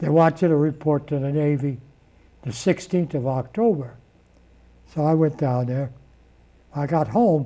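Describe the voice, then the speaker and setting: A man with an American accent talks at a moderate pace in a fairly high pitch. His tone is dark and mellow, and somewhat breathy. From western Massachusetts. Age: 90s. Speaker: war veteran. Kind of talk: interview. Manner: halting.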